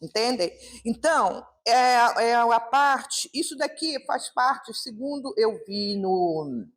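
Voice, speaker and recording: A woman's voice: on the high side, lively intonation, slow. A woman speaker giving an informal, conversational talk on a gospel reading at a live public meeting, with many rhetorical questions. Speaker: guest speaker at a spiritist meeting.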